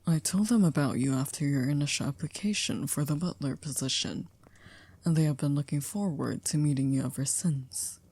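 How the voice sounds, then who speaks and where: A woman playing a stern, dry chief maid in an ASMR roleplay, speaking in a formal, measured, reproachful way. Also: sits low, mellow, breathy edge. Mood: dry, exacting.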